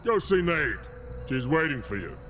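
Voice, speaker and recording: A man's voice: fairly high pitch, sing-song, normal speed, background noise. A man playing a boisterous, boastful veteran warrior in a video game, talking with hearty, mocking swagger. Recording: music behind the voice.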